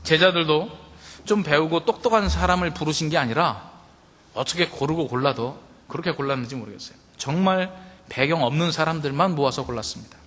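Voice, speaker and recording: A male pastor delivers a sermon in a talking-to-you style, putting question after question to the congregation. His voice sits a little high for a man. Long reverb trails off his words in a large hall. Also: brisk, a bit bright. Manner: conversational preaching, addresses the congregation directly with rhetorical questions.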